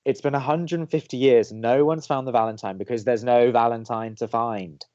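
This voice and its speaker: A man's voice: medium pitch, fairly even intonation, normal speed, warm tone, muffled recording, close to an everyday voice. Exasperated, cynical young radio co-host, played by a man. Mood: dry skepticism. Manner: sardonic, argumentative. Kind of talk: bantering audio drama acting.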